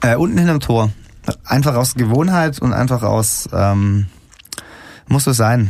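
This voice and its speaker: A man at medium pitch and a fairly slow pace, with lively intonation, very even loudness, and long, frequent pauses. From Stuttgart, Germany. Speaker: rapper and football fan. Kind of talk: casual chat. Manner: hesitant with many fillers.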